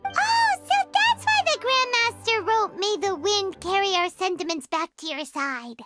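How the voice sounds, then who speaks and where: Squeaky tiny companion girl. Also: unhurried, heavily acted. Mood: wry. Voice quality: very high, squeaky. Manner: lively, quips and exclamations. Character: tiny floating girl companion, chirpy and blunt. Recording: game audio with music.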